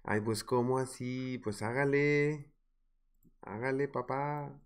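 A man putting on a Colombian paisa accent, voicing a cheerful man who greets people warmly in a playful, sing-song way. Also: mid-range voice, steady tone, slow, clear, resonant tone, pitched above the performer's own voice, natural voice. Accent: Colombian paisa, put on.

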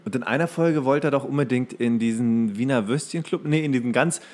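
A man's voice: mid-range voice, brisk, a little mellow. Casual man chatting as podcast co-host. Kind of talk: casual banter between friends.

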